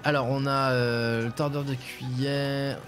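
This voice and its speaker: A man's voice: medium pitch, level tone, a little slow. A man streaming a game, giving casual commentary as he hesitates and thinks aloud. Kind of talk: casual let's-play commentary. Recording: game music behind.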